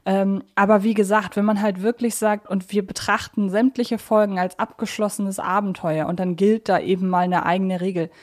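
A woman talking casually as a podcast co-host, explaining her points in a measured, conciliatory way. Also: medium pitch, steady tone, a little mellow. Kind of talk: casual, discursive podcast discussion.

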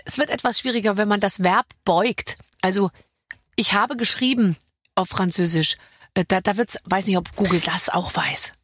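A woman hosting a podcast, chatting casually and playfully with quick asides. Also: medium pitch, a bit bright, no room sound, studio quality. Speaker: podcast host. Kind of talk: casual chat.

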